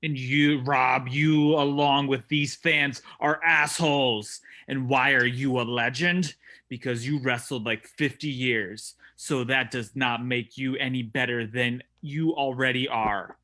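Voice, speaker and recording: Casting: male actor as tough, defiant wrestling prince, forceful mid-range voice, unhurried promo taunts. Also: mid-range voice, fairly even intonation. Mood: taunting.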